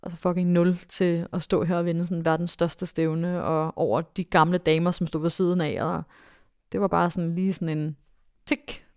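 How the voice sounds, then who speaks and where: A young woman, a dressage rider, telling a story in a casual interview with lots of fillers and bursts of excitement. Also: fairly low pitch, clean tone, no echo, clean studio sound. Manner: animated, excitable, many fillers.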